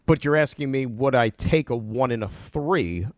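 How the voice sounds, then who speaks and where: A man's voice: mid-range voice, normal speed, dry recording, clean studio sound. A man co-hosting a sports radio show, sarcastic and argumentative in his banter.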